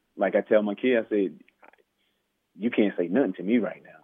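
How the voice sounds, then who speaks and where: A man's voice at medium pitch, with fairly even intonation. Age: 50s. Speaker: former football player and coach. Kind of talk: casual chat. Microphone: bad connection.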